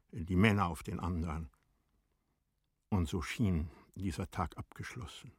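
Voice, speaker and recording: Deep, husky male literary narrator. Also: no room sound, studio quality. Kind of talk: scripted literary narration for a radio play.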